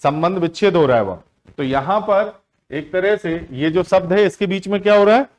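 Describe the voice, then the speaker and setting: Teaching a grammar lesson for exam prep, a man with a slightly high voice repeatedly asks his students a question and then answers it himself. He stretches out the key words as he goes.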